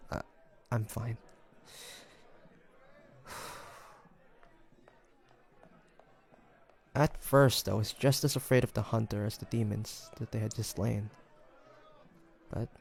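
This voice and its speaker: A man playing a haunted, earnest hunter in his twenties, telling his story haltingly in an audio roleplay. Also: lowish voice, vocal fry, a little mellow. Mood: subdued, tender. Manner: halting, confiding, sighing between phrases. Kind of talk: dramatic audio roleplay, first-person storytelling.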